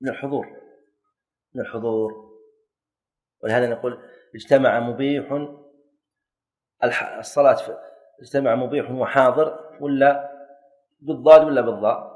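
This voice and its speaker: A man gives a classroom lesson. He quizzes his students, corrects them and jokes lightly. His voice is mid-pitched. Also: fairly even intonation, moderate pace, pauses often, muffled recording. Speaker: teacher of Islamic jurisprudence.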